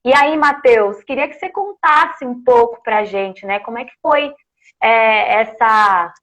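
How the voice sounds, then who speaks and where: A woman hosting a live interview, thinking aloud with frequent pauses and restarts as she frames her questions. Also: a little high, lively intonation, fairly bright tone. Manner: thinks aloud with many hesitations. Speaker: host.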